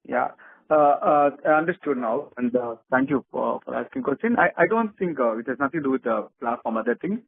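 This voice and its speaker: Indian guy exec on a conference call, raspy creaky voice, keeps restarting, thin phone sound. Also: medium pitch, expressive, dry recording. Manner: halting, repetitive, hedging with restarts. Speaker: company executive answering questions. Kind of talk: unscripted earnings call answers. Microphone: telephone conference call. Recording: narrow muffled phone conference line.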